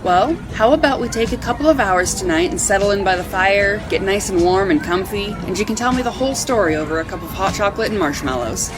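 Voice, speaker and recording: A woman's voice: medium pitch, expressive, quick pace, hardly any pauses, close to an everyday voice. Woman playing a friendly, practical companion over music. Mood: warm, coaxing. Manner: casual, conversational. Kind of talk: amateur audio drama acting.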